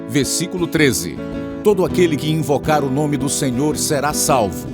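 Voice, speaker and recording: A man with a Brazilian accent reading scripted evangelistic radio narration as an announcer, earnestly addressing listeners. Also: mid-range voice. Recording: guitar music behind the voice.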